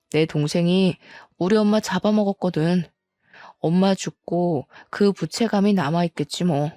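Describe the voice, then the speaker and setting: A woman voicing a contemptuous, dismissive cheating husband in a story narration, with a warm, dry sound. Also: mid-range voice, no room sound, lightly acted. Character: scornful cheating husband, middle-aged man.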